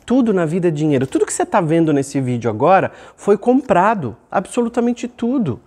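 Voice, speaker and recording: A man's voice: sits high, very animated, a little fast, darkish tone, breathy edge. A man with a Brazilian Portuguese accent, hosting his own self-help video and giving an emphatic motivational talk to camera, repeating key phrases and shifting his pace. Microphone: camera microphone.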